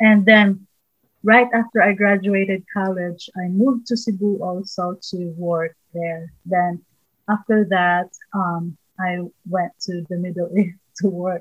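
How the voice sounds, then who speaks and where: A woman speaks at a very slow pace with a Filipino accent, her voice somewhat breathy. Her pitch sits in the middle range, and her intonation stays fairly even. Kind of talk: casual interview chat.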